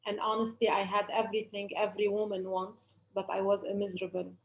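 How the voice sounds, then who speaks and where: A woman of middle pitch speaking as an interview guest. She tells her story earnestly, pausing and filling gaps with hesitant asides. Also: flat delivery, poor audio. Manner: earnest, hesitant with fillers like you know. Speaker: church leader, radio and TV host, guest.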